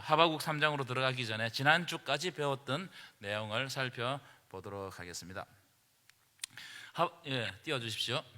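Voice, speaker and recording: Man, pastor, Bible study lecture, emphatic and forceful, lively pitch swings, church hall reverb. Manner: emphatic, rising to forceful preaching.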